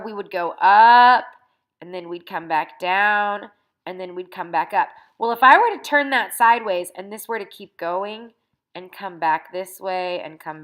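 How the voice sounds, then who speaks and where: A woman teacher with a mid-pitched voice, a little congested and sniffly, talking through a math lesson into a computer mic. She explains patiently and keeps checking in with her students as she works through the notes. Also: fairly bright tone. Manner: patient, explanatory, frequent "okay?" check-ins. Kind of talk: recorded math lesson over scanned notes.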